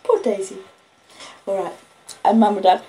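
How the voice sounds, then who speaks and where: A woman's voice: medium pitch, steady tone, normal speed, warm tone. An Australian woman reading aloud and chatting to listeners as a streaming storyteller. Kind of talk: expressive audiobook-style reading of a classic novel with casual chat. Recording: roomy echo, clear background noise or hiss.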